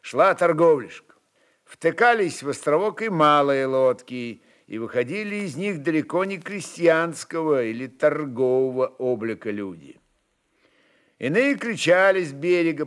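A man narrating historical fiction in a measured, expressive, deliberate way. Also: mid-range voice. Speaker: narrator reading a literary work. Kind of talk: dramatic literary narration of a historical novel.

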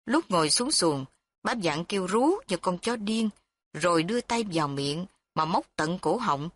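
A woman's voice: lowish voice, animated, moderate pace, a bit bright. Woman reading a story aloud. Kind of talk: scripted story narration.

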